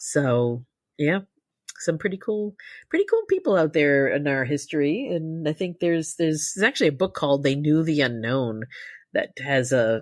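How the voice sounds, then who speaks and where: At a moderate pace, a woman with an American accent speaks with lively intonation on a very clean recording with a silent background. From Boston area, New England. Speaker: TV producer and voiceover artist. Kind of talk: interview conversation. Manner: casual, with frequent fillers and restarts.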